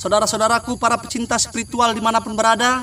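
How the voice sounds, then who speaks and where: A man's raised, projected voice at an extremely high pitch, racing at a very fast pace over noticeable background noise. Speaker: spiritual teacher. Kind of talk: religious talk. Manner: halting.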